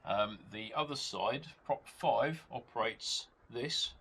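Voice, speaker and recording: Gravelly-voiced man with a cold. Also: mid-range voice, slow pace. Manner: explains step by step, relaxed, with hesitations. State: stuffed-up nose from a cold. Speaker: channel host reviewing a hobby gadget. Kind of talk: casual product demonstration. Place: home workshop with rain outside. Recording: rain and model engine noise behind.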